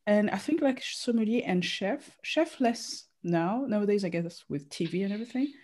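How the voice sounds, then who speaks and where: Chatty interviewer, mid pitch voice, casual back and forth, laughs along. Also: lively intonation, moderate pace, darkish tone.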